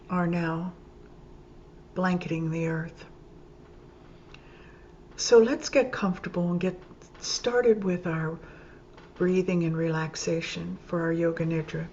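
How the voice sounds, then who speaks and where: Slow, low-voiced woman guiding meditation. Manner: calm, slow, gentle, pausing between short phrases. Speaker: yoga nidra meditation teacher. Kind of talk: guided meditation. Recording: dull lo-fi sound with clear background noise.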